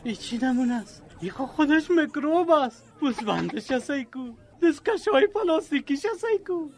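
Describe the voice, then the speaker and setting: A man's voice: very high-pitched, animated. An Afghan-accented male actor playing a simple, folksy, complaining village patient in a comic radio drama. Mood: mocking.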